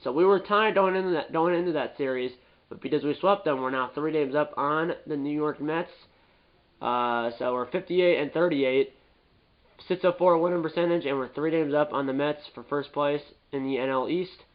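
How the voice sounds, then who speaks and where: A man's voice: on the high side, normal speed, highs cut off. Congested man rambling through gameplay commentary. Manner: rambling, repeats and corrects himself. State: stuffy nose from a cold. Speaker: gaming YouTuber.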